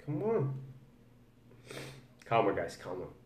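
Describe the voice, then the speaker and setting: Slow-talking Brazilian man teaching English. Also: medium pitch. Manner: relaxed, chatty, greets viewers by name, models pronunciation slowly. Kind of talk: live-streamed English lesson. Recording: echoey room.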